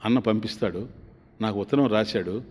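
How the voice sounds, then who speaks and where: A man's voice: lowish voice, moderate pace, husky. A man doing a poor mother soothing her son. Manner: gentle, reassuring. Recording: long hall reverb.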